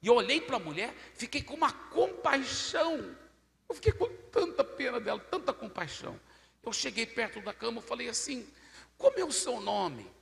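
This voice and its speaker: Animated preacher with a bright, lively voice. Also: male voice, extremely high pitch, normal speed, gravelly. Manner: animated, acts out every voice, swings from loud to hushed. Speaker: pastor. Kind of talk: preaching a sermon, telling a story. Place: large church hall. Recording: echoey church hall, faint noise.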